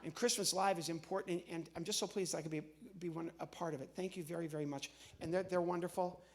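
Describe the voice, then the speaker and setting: A middle-aged American man from the Midwest doing live comedy patter on stage, chatty and halting, often interrupting himself. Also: fairly high pitch, fairly even intonation. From Midwestern United States. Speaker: comedian and entertainer. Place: on stage in a large church hall.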